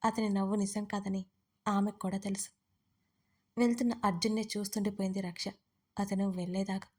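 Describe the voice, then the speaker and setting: A woman narrating an audio story in a steady, measured reading voice. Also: medium pitch.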